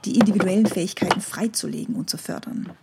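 An actress playing a motivation therapist in a radio play, explaining a method in a measured, self-assured way. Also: female voice, medium pitch, fairly even intonation, background noise, natural voice. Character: smooth-talking female motivation therapist presenting her method.

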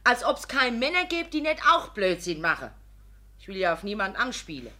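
An actress playing a sarcastic, nagging middle-aged housewife with a Hessian accent in a 1950s radio comedy. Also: female voice, medium pitch, big pitch swings, fairly quick, sharp tone. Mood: sarcastic, aggrieved. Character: sharp-tongued, aggrieved housewife and mother.

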